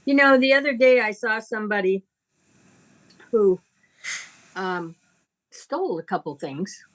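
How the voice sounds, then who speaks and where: A woman speaking conversationally as a spiritual teacher, deliberate and emphatic, with a moralizing way of talking. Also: mid-range voice, animated, rough recording.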